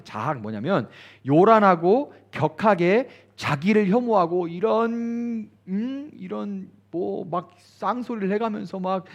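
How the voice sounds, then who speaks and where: A male pastor preaching at a midweek prayer service. He speaks in a high voice that leaps up and down, acting out the people he quotes with big swings in tone. The delivery is expressive and full of emphasis. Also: dull audio. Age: adult, grew up attending church retreats.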